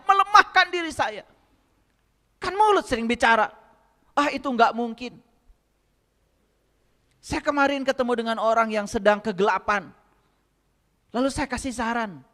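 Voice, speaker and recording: A man's voice: extremely high pitch, sharp tone, long reverb tail. A man giving a spiritual lecture to a congregation, often asking them rhetorical questions and speaking to them directly. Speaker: religious lecturer.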